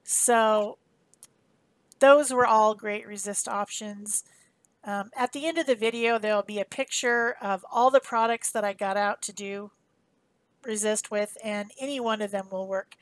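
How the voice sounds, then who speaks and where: A woman's voice: medium pitch, fairly even intonation, unhurried, no echo. Casual chatty woman, close dry sound. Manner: chatty, informal, self-correcting explanations. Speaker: craft tutorial host. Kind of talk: casual crafting demonstration voice-over.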